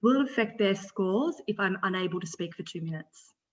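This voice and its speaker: A woman with a Tasmanian accent talks with ordinary pitch variation. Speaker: webinar host. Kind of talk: live webinar Q&A.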